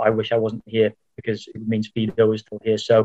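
A man with a Welsh accent speaks at a medium pitch. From Wales. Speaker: sports journalist. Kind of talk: casual interview.

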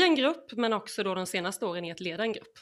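A woman's medium-pitched voice, with ordinary pitch variation, comes through on a very clean recording with a silent background. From Sweden, Halland (Laholm). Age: 30s. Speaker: sales manager. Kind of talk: podcast interview. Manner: animated.

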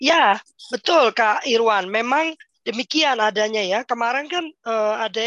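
A woman's fairly high voice with lively intonation at a moderate pace, dry and close with no echo, against a quiet background. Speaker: homeschooling trainer and practitioner. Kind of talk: online discussion webinar. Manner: loud, forceful. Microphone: laptop not working, cannot share screen.

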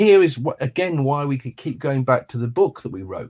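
A man with a Lancashire accent sounds somewhat breathy and makes very wide pitch swings, on a very clean recording with a silent background and a dry, close sound with no echo. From northern England, Lancaster. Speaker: health author. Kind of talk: casual interview.

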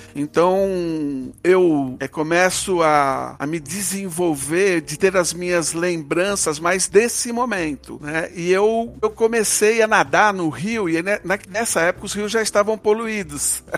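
This man has a high-pitched voice, talks at a very slow pace with hardly any pauses, and shows ordinary pitch variation. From Brazil, São Paulo ABC region. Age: 50s. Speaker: physical education professor. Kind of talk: casual interview.

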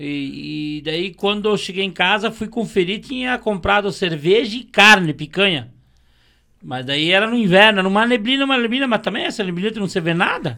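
On a very clean recording with a silent background, a man uses a raised, projected voice, high in pitch with lively intonation. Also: moderate pace. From western Santa Catarina, Brazil (Concórdia). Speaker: comedian and former truck driver. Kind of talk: casual interview chat.

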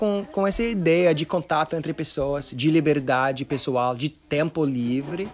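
A man's fairly slow speech with very wide pitch swings over noticeable background noise. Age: 40s. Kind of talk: personal storytelling. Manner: halting.

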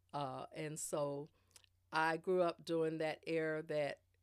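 A woman speaks with a Southern US accent in a very deep, low pitch. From North Carolina (Spring Lake, near Fayetteville). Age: 60s. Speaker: pastor. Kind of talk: casual interview.

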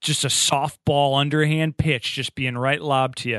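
A man with a Western New York accent speaks at a fairly slow pace in a bright, sharp tone against a quiet background. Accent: Western New York (Inland North). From Western New York (Rochester area). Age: 30s. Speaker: podcast host. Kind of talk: casual chat.

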